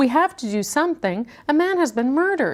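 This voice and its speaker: In a put-on character voice, a woman talks at a fairly quick pace, high-pitched and shaky, with very wide pitch swings. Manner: frightened, pleading.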